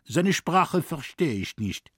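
A man voicing a polite prisoner of war speaking halting German. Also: a little high, sing-song, fairly bright tone, slightly rough, dry recording, studio quality, pitched above the performer's own voice, exaggerated voice.

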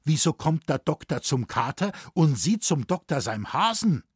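A mild middle-aged forestry manager, as a male narrator puts him on. He sounds husky and close, asking things in a plain, wondering way. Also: fairly high pitch, sing-song, moderate pace, no echo, pitched above the performer's own voice. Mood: puzzled.

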